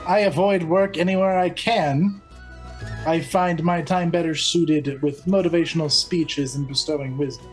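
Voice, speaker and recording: A woman's voice: low-pitched, moderate pace, faint music behind, natural voice. A woman voicing a lazy, pompous pirate who lectures the crew in a haughty way. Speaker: player.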